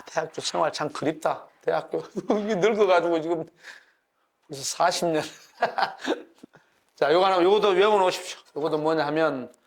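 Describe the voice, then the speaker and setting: An older man in his sixties lectures a class in a folksy, animated way. His voice sits high for a man. He keeps checking in with his listeners and chuckles as he explains. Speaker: university professor lecturing on classics.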